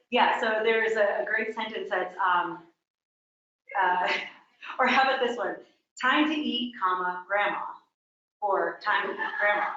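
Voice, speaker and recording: A woman's voice: mid-range voice, a bit bright, echoey room, highs cut off. Chatty woman teaching a workshop room. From New York. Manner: chatty, quizzes the audience. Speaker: real estate workshop presenter. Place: training room with a small audience.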